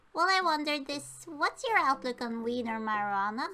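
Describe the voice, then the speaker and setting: A playful tone with lively intonation at a moderate pace, music playing in the background. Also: woman. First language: Norwegian. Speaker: YouTuber. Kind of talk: Q&A reading viewer questions. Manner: casual, playful.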